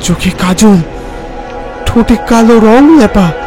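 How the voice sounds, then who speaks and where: An expressive narrator telling a scripted horror story with suspense and drama. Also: medium pitch, slow pace, over music.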